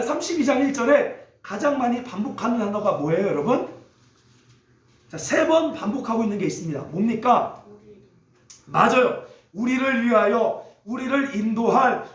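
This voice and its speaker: A male pastor preaching a sermon in a church, leading call-and-response with the congregation and teaching in a lively, teasing way. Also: very high-pitched, moderate pace. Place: church sanctuary. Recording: echoey church hall.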